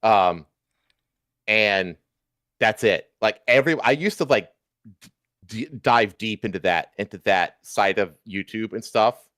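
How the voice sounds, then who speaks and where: A man's voice: on the low side, unhurried, pauses often, a bit bright, no room sound, clean studio sound. A man hosting a livestream, ranting casually with emphatic, repetitive, profane talk. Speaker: livestream host.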